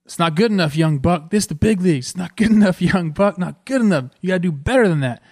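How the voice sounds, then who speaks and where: A man's voice: high-pitched, animated, fast, darkish tone, no echo, studio quality, voice pushed up. A man voicing a demanding veteran male ballplayer who needles a rookie in a stern, repetitive way. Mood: needling.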